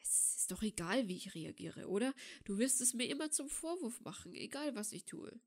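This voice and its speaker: A woman reading the lines of a patient, earnest young man in an audiobook, soft and pleading. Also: fairly high pitch, animated, moderate pace.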